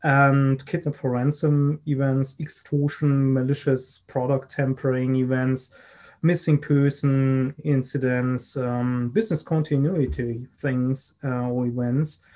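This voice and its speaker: A man with a German accent answering interview questions as an expert guest, speaking in a measured, halting way. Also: mid-range voice, mellow. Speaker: guest, risk and crisis management consultant.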